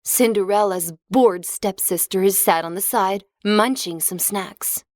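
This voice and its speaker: A woman narrating a children's fairy tale in a clear, expressive storybook reading. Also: mid-range voice, slow pace, no room sound, studio quality.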